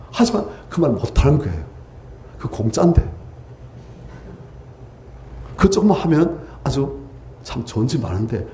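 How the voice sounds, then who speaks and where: A man preaching a revival sermon in a church sanctuary. His voice is dark and mellow, with a lively, swooping pitch. He swings between loud, pleading cries and hushed near-whispers. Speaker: pastor.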